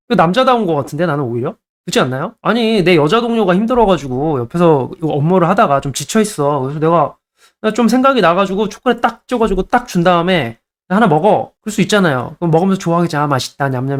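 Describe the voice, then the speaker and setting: Fast-talking man giving dating advice. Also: high voice. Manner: chatty, playfully acts out little scenes with dialogue. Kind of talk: casual advice monologue.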